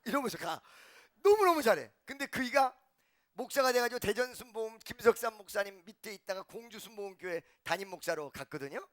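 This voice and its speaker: A male pastor preaching a sermon, telling stories and acting out the people in them, swinging from hushed asides to shouted lines. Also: high voice, animated, fairly quick. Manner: swings from shouting to hushed, acts out quoted dialogue. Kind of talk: sermon with storytelling.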